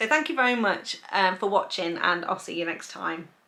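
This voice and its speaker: A woman's fairly high-pitched voice at a moderate pace, with noticeable background noise. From England. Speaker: book reviewer. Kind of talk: casual book review monologue; blooper outtakes. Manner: hesitant, many fillers.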